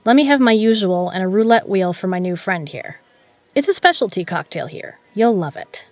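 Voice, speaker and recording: A woman's voice: medium pitch, animated, moderate pace, darkish tone, no room sound, lightly acted. A woman plays a shrewd bar-owning card shark in an audio roleplay. She is a proud, brash woman with a sardonic edge and a mid-range voice. The sound is dry and close. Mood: slyly friendly. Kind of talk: dramatic audio roleplay acting.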